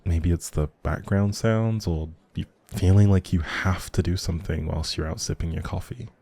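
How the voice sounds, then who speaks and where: A man with a low-sitting, dark voice and fairly even intonation speaks at a moderate pace. He plays a shy, socially anxious but friendly young writer in an intimate audio roleplay, rambling and musing hesitantly while apologizing to the listener.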